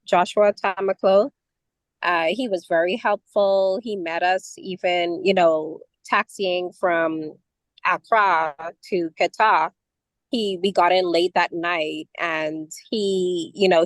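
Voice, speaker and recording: A woman's voice: on the low side, no echo, low-quality recording. A woman from the Bahamas, talking casually over a call from a vehicle on the road, with many fillers. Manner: conversational, with frequent fillers. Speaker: community member sharing travel experience. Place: in a moving vehicle.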